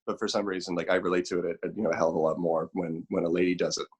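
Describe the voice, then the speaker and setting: Man, 40s, lowish voice, podcast co-host, rambling, self-deprecating, casual chat. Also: flat delivery, racing, a little mellow, breathy edge.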